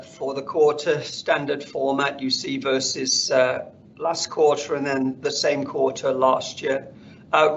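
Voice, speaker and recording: A man presenting company results on an earnings call in a measured, businesslike manner. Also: creaky. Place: conference call. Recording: dull, noisy conference line with rumble.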